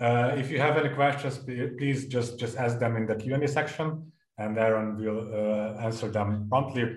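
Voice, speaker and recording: With hardly any pauses, a man at medium pitch speaks in a plain, everyday voice with fairly even intonation. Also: fairly slow pace. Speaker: webinar moderator. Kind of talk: event moderation. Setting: video call.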